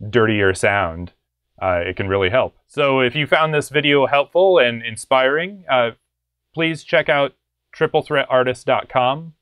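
Young male tutorial host, mid-pitched, conversational and laid-back, recorded dry. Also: lively intonation, unhurried, fairly bright tone, clean tone, no echo. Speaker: music production tutorial host. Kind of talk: casual screen-share tutorial. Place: small home studio room.

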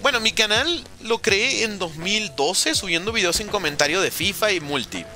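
Venezuelan man, lively streamer chat. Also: high-pitched, normal speed, faint music behind. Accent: Venezuelan Spanish. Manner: casual, chatty, hums and sings little sounds while playing. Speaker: gaming streamer. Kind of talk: live gameplay commentary reading chat.

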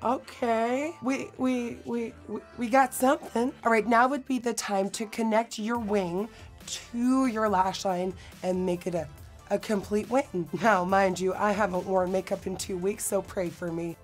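A young woman with a hoarse, recovering voice and a Dutch accent, chatting dramatically through a makeup tutorial in a studio. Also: medium pitch, fairly even intonation, measured pace, faint music behind. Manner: bubbly, dramatic, self-mocking. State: hoarse from illness. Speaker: beauty vlogger. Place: indoor studio set.

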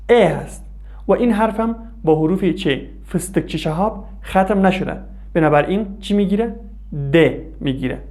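A man's voice: high voice, a little mellow. Patient male Afghan language teacher. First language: Dari. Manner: clear, patient explaining with questions and answers. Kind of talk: scripted language lesson.

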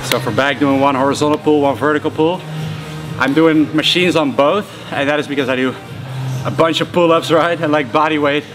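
A man talking casually while training in a gym, loose and relaxed, with lots of "like" and "you know", a little out of breath. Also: a little high, a little fast. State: slightly out of breath. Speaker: fitness vlogger. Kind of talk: casual talk to camera. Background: music.

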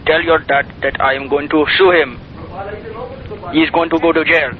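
A man's voice: on the high side, little pitch movement, moderate pace, bright, forceful tone, rough recording. A man playing an irate neighbor phoning about his kicked dog, in broken English and swearing. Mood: furious. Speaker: prank caller.

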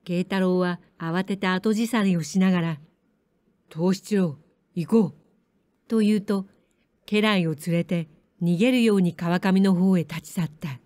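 A woman narrates a samurai-era story in a calm, measured reading. Her voice is mellow and warm, recorded close and dry with no room sound. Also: fairly low pitch, dry recording. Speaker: audiobook narrator. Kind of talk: scripted narration of a period story.

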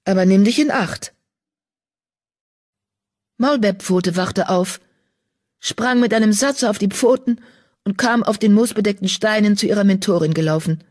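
A woman narrating an audiobook in an even, measured storytelling voice. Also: mid-range voice. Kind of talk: scripted narration.

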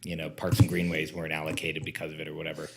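Deep, flat, creaky man thinking aloud. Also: very fast, very noisy. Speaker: planning commissioner. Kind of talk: reflective public meeting remarks. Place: public meeting room.

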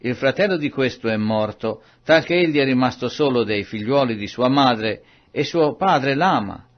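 A man reading scripture aloud in a measured, solemn way. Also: mid-range voice, lively intonation, dull audio. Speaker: Bible reader.

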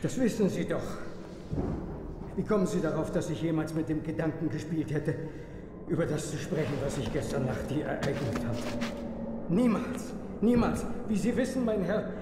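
A man's voice: on the high side, animated, normal speed, background noise, lightly acted. An actor playing a secretive, old-fashioned male hotel porter in a radio horror drama, formal and deferential yet cold. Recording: echoey hall with music behind.

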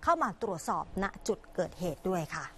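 A woman news reporter narrating a crime story in a brisk, polite news delivery. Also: lowish voice, big pitch swings, fairly bright tone, a little hiss or hum.

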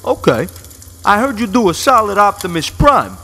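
A man's voice: high voice, big pitch swings, normal speed, sharp tone, slight background noise. A man doing playful comedic banter and impressions. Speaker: comedy co-host.

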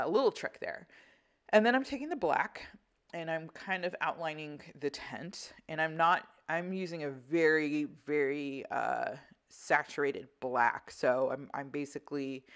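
A woman's voice: low voice, fairly bright tone. A woman instructor talking through an art tutorial in a casual, conversational, explanatory way. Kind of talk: casual voice-over craft tutorial.

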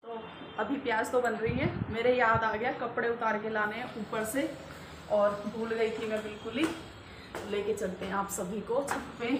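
Chatting away to viewers, a woman narrates her cooking vlog from her home kitchen and rooftop, walking through every step with lots of fillers. Her voice is on the high side, fairly even in intonation and at normal speed. Expect a roomy sound and a noisy background.

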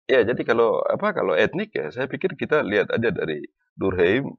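A man from North Maluku, a guest academic in a small podcast studio, talking in an animated, questioning way. His low voice swings widely in pitch and sounds husky, dry at the mic, with slightly dull sound. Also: fairly quick, dry recording. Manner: animated, questioning, often adds "ya kan?". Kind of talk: podcast discussion. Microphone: desk mic on stand.

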